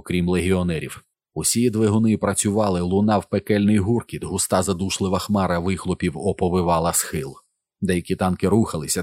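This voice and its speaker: Male audiobook narrator, very deep, steady read, dry close sound. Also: no room sound.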